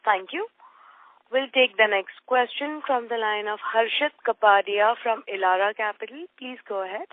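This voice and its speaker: A woman's voice: on the high side, moderate pace, dry recording. A woman moderating a conference call as operator, formal and scripted in her politeness. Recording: dry narrow phone line.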